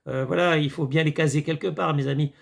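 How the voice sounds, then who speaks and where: Male commentator, gravelly and fairly high, rambling and hesitant, chatty monologue to viewers. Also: steady tone, fast talker. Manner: rambling, hesitant with many fillers, addresses viewers as friends. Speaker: video commentator. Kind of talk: casual monologue reviewing a series.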